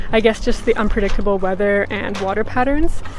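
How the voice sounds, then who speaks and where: A woman talks at a fairly quick pace with ordinary pitch variation. The sound is dry with no echo, and background noise is noticeable. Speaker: sailing vlogger. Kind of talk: casual vlog chat. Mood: cheerful, excited. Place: boat. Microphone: phone near.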